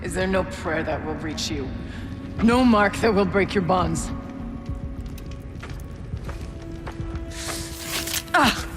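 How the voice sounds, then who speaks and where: An actress playing a devoted tribal priestess in a video game, speaking in a solemn, prayerful way, with game music behind. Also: female voice, fairly low pitch, lively intonation, measured pace. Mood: anguished prayer.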